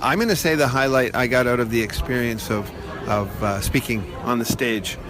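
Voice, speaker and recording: A man's voice: mid-range voice, moderate pace. A man from Ontario, Canada, a speech contestant, speaking plainly and a little hesitantly. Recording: crowd noise on a convention floor.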